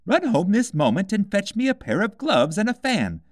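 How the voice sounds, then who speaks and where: Storybook rabbit: very high, swooping, fretful, bossy and easily vexed. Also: male voice, very animated, moderate pace, no room sound, studio quality. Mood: angry, bossy. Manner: muttering, fretful, snapping orders.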